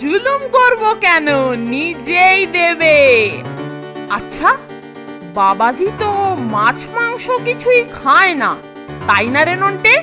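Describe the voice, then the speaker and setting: A woman's voice: very high-pitched, very animated, takes it slowly, long pauses, over music, heavily acted. A woman voicing a cheeky, scheming schoolboy in a children's cartoon, sly and confident. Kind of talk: Bengali children's cartoon voice acting.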